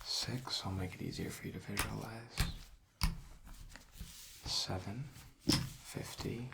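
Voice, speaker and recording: A man doing a soft-spoken ASMR roleplay as a casino dealer, rambling in a hushed, unhurried way that drifts into a whisper. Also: on the low side, fairly even intonation, gravelly, heavy background noise.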